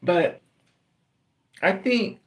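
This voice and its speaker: A middle-aged livestream host with a mid-range voice chats casually and candidly with viewers, speaking very slowly yet animatedly, laughing often and addressing people by name.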